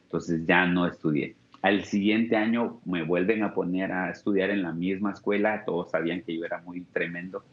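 A young man with a Guatemalan Spanish accent shares his life story in an interview, earnest and reflective, often breaking off and starting his phrases again. His voice sits fairly low. The sound is dull and lo-fi. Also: steady tone, moderate pace, roomy sound. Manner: earnest and reflective, with frequent restarts. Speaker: interview guest. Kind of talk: personal testimony.

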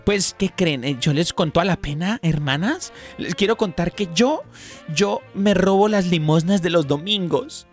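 A man's voice: expressive, moderate pace, faint music behind. Man putting on gushing Paisa churchwomen. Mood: confessing. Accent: Colombian Paisa. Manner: high, gushing, sing-song. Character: chatty gossiping churchwomen friends.

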